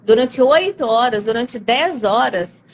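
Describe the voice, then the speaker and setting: A woman's voice: on the high side, lively intonation, measured pace, muffled recording. A woman with a Brazilian accent talking animatedly in a live-stream conversation, acting out quoted voices as she explains. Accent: Brazilian Portuguese. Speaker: guest speaker. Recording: faint background noise.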